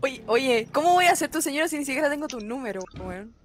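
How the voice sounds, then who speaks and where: A woman's voice: high voice, animated, fast talker. A woman with a Chilean accent in casual, improvised banter as a player in an online roleplay game.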